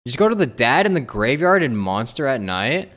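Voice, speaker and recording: A man's voice: mid-range voice, sing-song, fairly quick, fairly bright tone. A man giving chatty, reactive live commentary as a game streamer. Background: game music.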